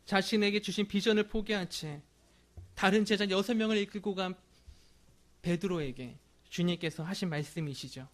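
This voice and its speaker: A male pastor preaching a Sunday sermon, earnest and often asking the congregation questions. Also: high voice.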